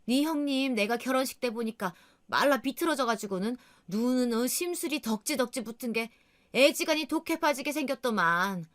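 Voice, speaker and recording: A blunt, scornful older mother in a radio drama, as a woman narrator puts her on. Her pitch climbs and drops in a lively way as she complains. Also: normal speed. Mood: indignant.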